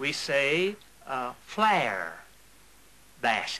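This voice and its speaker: A man with an Appalachian accent and very wide pitch swings. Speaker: professor of Appalachian studies. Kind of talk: interview answer.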